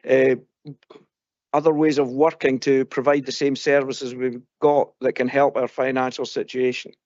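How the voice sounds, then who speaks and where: A man's voice: medium pitch, darkish tone, no echo, lo-fi sound. A man who is an elected councillor, giving a formal prepared speech to propose a motion at a council meeting.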